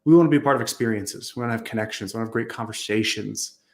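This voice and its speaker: A man's voice: on the low side, racing. Earnest man speaking as a podcast guest. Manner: earnest, enthusiastic, casual slang. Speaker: podcast guest, business leader. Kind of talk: casual podcast interview.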